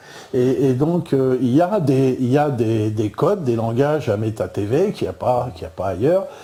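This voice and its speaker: A man with a Parisian accent talks at a moderate pace, his fairly high voice making very wide pitch swings. There is noticeable background noise and audible room echo. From France, Paris. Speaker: lecturer. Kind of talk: lecture. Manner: halting, many fillers and repetitions.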